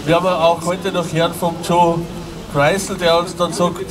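A middle-aged man moderates an outdoor rally, announcing speakers into a handheld mic with hesitant pauses. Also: fairly high pitch, flat delivery, crowd noise. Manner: hesitant, fills with äh. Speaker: event moderator. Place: outdoor city square. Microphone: handheld mic, filmed from afar. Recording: distant with outdoor street noise.

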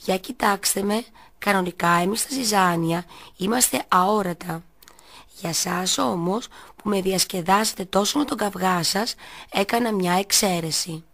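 A woman's voice: medium pitch, fairly bright tone. A woman voicing a mischievous invisible imp that whispers nasty words and snickers. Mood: sly teasing.

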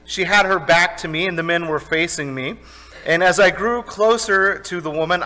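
Male pastor, conversational sermon storyteller who quizzes the congregation; slightly high, bright voice in a reverberant sanctuary. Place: church sanctuary. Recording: reverberant church hall.

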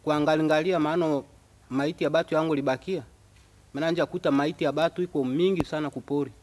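Male witness, fast and earnest, higher voice. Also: steady tone, darkish tone. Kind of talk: testimony.

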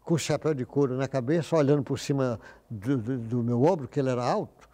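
Older man telling stories, mellow tone. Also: medium pitch, quick pace. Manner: anecdotal, acts out quoted voices. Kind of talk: casual storytelling interview.

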